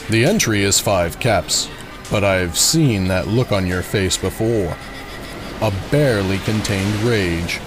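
A man playing a sinister, knowing carnival showman in a dark audio drama, with an ominous, poetic and politely menacing manner. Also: on the low side. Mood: sly, amused. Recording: music under the voice.

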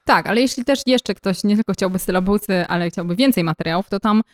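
A woman's voice: medium pitch, fast. A young woman co-hosting a podcast in casual conversation, explaining things at length with frequent hesitations and fillers. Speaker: podcast co-host.

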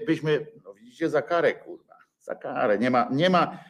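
A man's voice: medium pitch, lively intonation, moderate pace. A man hosting a rambling satirical monologue, sarcastic and profane, full of hesitations and filler sounds.

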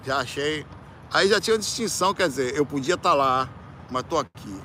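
A Brazilian Portuguese-accented musician with a slightly high voice tells a personal story a little quickly, in an animated, colloquial way. He acts out quoted voices with loud outbursts, and there's slight background noise.

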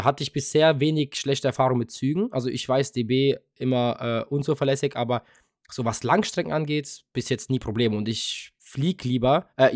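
This young podcast co-host spins a long, casual story full of fillers and offhand swearing. His voice is mid-range, and the recording is dry with studio quality.

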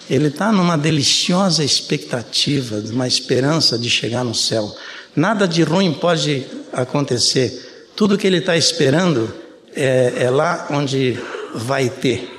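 A man's voice: mid-range voice, slight background noise. An older man from Brazil with a Brazilian Portuguese accent, giving a conversational sermon and often checking in with his listeners. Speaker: preacher. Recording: reverberant hall, faint room ambience.

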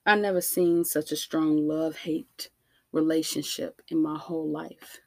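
A woman with an African American accent delivering an impassioned monologue, emphatic and deliberate, with rhetorical questions and repetition. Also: sits low, level tone, vocal fry, a little mellow, no room sound. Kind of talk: impassioned spoken monologue to listeners.

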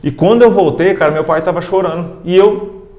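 A man's voice: high voice, a little fast, a little mellow, roomy sound. A man, telling a personal story as a guest in an interview, emotional and heartfelt. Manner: emotional, heartfelt, frequent "cara". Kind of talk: casual storytelling in a podcast interview.

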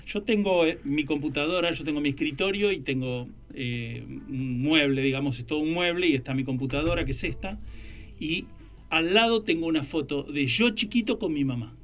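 A man's voice: on the high side, normal speed, a bit bright. A man with an Argentine Spanish accent in casual podcast conversation, telling a personal story in a reflective, emotional way and quoting dialogue. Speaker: writer and podcast co-host.

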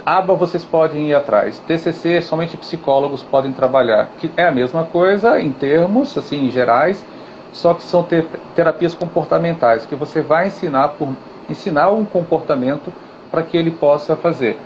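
Man, guest teacher, casual storytelling, slightly high voice, dull muffled audio, faint noise. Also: moderate pace. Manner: animated storytelling with gestures and acted quotes. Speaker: guest, swimming and physical education teacher. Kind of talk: casual live interview talk.

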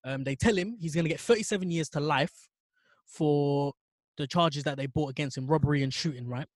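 London roadman, higher-pitched man's voice. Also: fairly quick, no echo. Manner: roadman street slang delivery. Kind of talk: casual chat, debating.

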